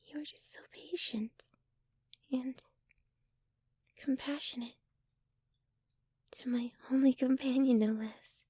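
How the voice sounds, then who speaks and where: A woman acts out a lovestruck, slightly obsessive young girlfriend in an ASMR audio drama. Her voice is high and soft, often nearly whispered, with a shy, giggly delivery. She talks slowly and haltingly, very close and dry on the microphone. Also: fairly even intonation, breathy edge, no echo, heavily acted. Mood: tender, bashful. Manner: bashful, giggly, halting, gushing. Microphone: close microphone, dry sound.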